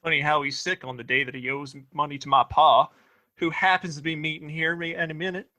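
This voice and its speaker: A man's voice: a little high, level tone, fairly quick, pushed and bright. A man playing a cocky, threatening sheriff and obedient son in a Western audio play, with folksy rustic speech. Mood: menacing.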